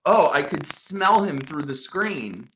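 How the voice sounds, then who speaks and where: A man's voice: fairly high pitch, big pitch swings, slow pace, fairly bright tone, slight background noise, poor audio. A man co-hosting a casual live chat, talking bluntly and sarcastically. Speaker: guest co-host.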